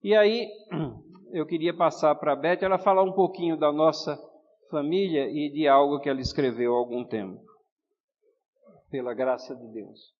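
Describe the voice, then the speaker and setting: An older man from Recife with a Pernambuco accent, preaching in a relaxed, conversational way. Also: a little high, normal speed. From Recife, Brazil. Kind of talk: sermon. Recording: muffled, reverberant church hall.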